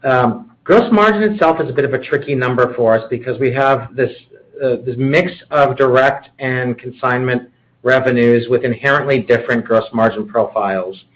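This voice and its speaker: A man's voice: medium pitch, moderate pace. A man speaking as a company executive, explaining business matters on a conference call. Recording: dull conference call audio.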